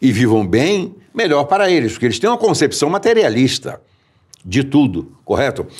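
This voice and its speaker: A man speaks at a moderate pace and fairly high pitch, with vocal fry and very wide pitch swings. His loudness is very even, on a very clean recording with a silent background. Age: 70s. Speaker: pastor. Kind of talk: interview.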